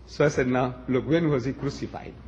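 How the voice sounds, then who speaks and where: A man's voice: medium pitch, a little fast, a little mellow, dull audio, slight background noise. A man whose first language is Gujarati, giving a rhetorical public lecture and pressing the audience with repeated questions. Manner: emphatic, repeats questions to the crowd.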